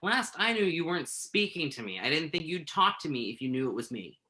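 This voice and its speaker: A woman's voice: low voice, sing-song, a little fast, sharp tone, heavily acted. A woman acting the part of an emphatic, wounded male writer in a staged play reading. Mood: earnest, pleading. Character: male writer Tim, pen name Tuck, joking, wounded, insistent.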